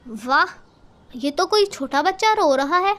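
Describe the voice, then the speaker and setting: Cartoon villain: a woman doing a starving, sly female kite bird, very high, coaxing. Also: animated, a little slow, fairly bright tone, a little hiss or hum, exaggerated voice. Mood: hungry.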